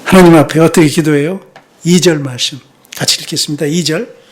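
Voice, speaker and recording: A man's voice: on the high side, fairly even intonation, a little fast, husky. A man who is a missionary, preaching a sermon in a church. He keeps asking the congregation rhetorical questions and drops in short "yes" interjections. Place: church sanctuary.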